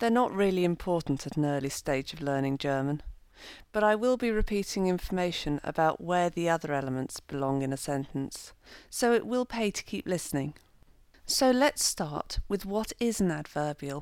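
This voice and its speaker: On a very clean recording with a silent background, a woman speaks at a fairly low pitch with very wide pitch swings. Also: moderate pace. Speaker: language teacher podcaster. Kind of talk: tutorial. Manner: scripted, clear delivery.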